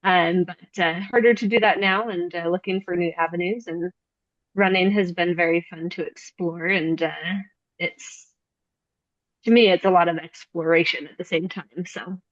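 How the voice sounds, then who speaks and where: A woman's voice: fairly low pitch, fairly even intonation, moderate pace, no echo, dull audio. A woman guest answering an interview question over a video call, thoughtful and hesitant with many ums. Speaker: coach, guest.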